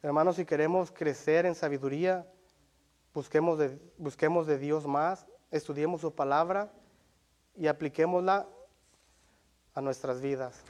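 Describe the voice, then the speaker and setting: A man preaching a sermon in Spanish, earnest and repetitive, often checking in with listeners and reading Bible verses aloud slowly. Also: a little high, darkish tone. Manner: earnest, repeats himself, asks the congregation "¿verdad?". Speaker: lay preacher.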